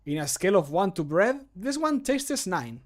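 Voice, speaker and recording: A man voicing a flamboyant, theatrical, food-loving video game character, declaiming with drawn-out endings. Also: high-pitched, big pitch swings, pitched above the performer's own voice. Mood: playfully grand. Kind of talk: video game voice-line recording.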